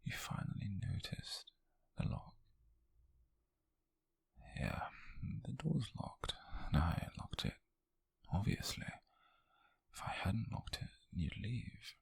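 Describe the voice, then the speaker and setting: A British man playing an obsessive, possessive coworker turned tender captor in an ASMR roleplay, speaking in a breathy, gravelly, coaxing hush. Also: fairly low pitch, sing-song, dry recording, heavily acted. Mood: quietly menacing. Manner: slow, coaxing, hushed, intimate with pauses. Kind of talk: whispered ASMR roleplay monologue.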